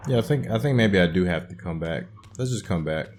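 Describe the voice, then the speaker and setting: A man with a low-pitched voice talks his way casually through a video game. He thinks aloud, hesitant and musing as he works things out. There is clear noise of game ambience behind him. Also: lively intonation, fairly quick, darkish tone. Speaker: gaming channel host.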